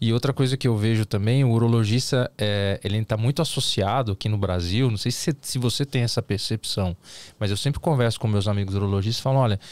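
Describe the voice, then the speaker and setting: A man's very fast speech at medium pitch, with very even loudness, ordinary pitch variation, a dry, close sound with no echo, and a very clean recording over a silent background. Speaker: urologist hosting a health podcast. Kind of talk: podcast interview. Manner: hesitant, repeats words.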